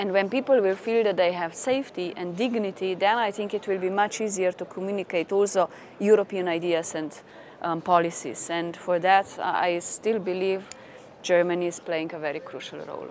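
At a moderate pace and with ordinary pitch variation, the speaker talks in a Slovenian accent over light background noise. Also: woman, dry sound with no echo. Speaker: politician; guest, politician. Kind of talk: panel discussion. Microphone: lapel.

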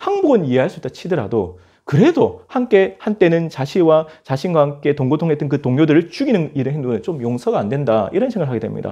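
A man with a dark, mellow tone speaks at a fairly high pitch with very wide pitch swings. His pace is fairly quick, and the background is quiet. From South Korea. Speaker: history lecturer. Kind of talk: lecture. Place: studio.

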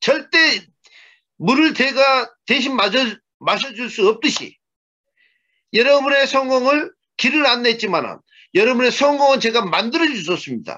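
In a Korean accent, a man speaks in a raised, projected voice at an extremely high pitch with a bright, sharp tone, leaving long, frequent pauses against a quiet background. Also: ordinary pitch variation, moderate pace. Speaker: business leader giving a vision lecture; motivational speaker. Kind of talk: lecture. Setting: video call. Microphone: video call.

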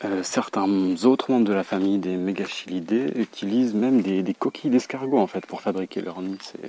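With long, frequent pauses, a man speaks at a fairly low pitch in a dry sound with no echo. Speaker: amateur lecturer on solitary bees. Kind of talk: casual filmed lecture. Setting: outdoors. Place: garden. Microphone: phone near.

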